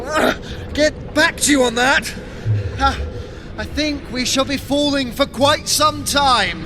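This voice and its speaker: With music playing in the background, a man with a very high voice speaks slowly in an audio drama. He plays a sly, flippant, scheming trickster god bickering with his brother, glib and self-satisfied yet prone to hedging, in a wry mood.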